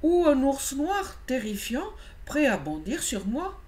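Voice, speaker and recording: Brief: woman reader as young white wolf, slow, calm, wary, storybook. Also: sits high, voice pushed up, heavily acted. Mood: musing.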